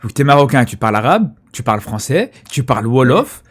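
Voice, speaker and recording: A young man hosting a casual live stream, chatting with a guest and reading out viewer questions, often trailing off into a quiet murmur. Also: medium pitch, big pitch swings, brisk, slightly rough. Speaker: streamer host.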